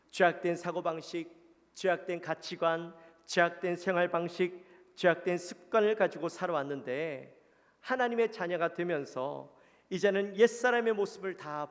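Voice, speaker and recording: Gravelly Gyeongsang-accented pastor preaching. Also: male voice, a little high. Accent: Gyeongsang Korean. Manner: earnest, conversational preaching with questions to the congregation. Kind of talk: sermon. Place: church sanctuary. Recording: long church-hall reverb.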